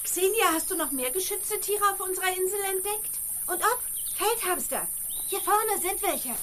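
Very high-voiced eager girl. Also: expressive, normal speed, pushed and bright, exaggerated voice. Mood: eager, informative. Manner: eager, explaining. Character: bright, eager young girl witch who loves animals. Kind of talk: children's audio drama acting. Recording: noisy outdoor nature sound behind.

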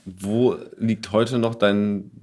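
A man's voice: lowish voice, fairly even intonation, extremely slow, darkish tone. A man hosting a casual interview podcast, asking questions and giving short, informal, slangy reactions.

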